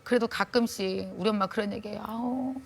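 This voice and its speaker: A middle-aged woman lecturer telling a personal story to an audience in a lively, heartfelt, colloquial way. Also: fairly high pitch, fast.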